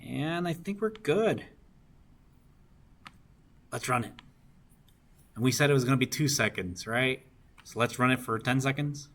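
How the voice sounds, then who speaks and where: A man's voice: medium pitch, measured pace, pauses often, fairly bright tone. A young man working circuit homework problems for a class, often asking "right?" to check that students follow. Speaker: engineering discussion instructor.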